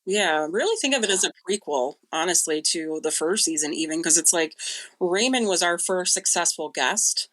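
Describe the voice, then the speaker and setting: Lower-pitched woman explaining casually. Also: animated, normal speed, a bit bright. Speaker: podcast guest, creator.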